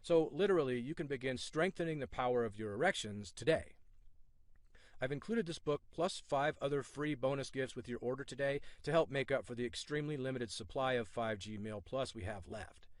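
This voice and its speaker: A man reading a scripted sales pitch in a smooth, reassuring salesman manner, from the United States. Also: brisk, no room sound, studio quality. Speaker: ad presenter.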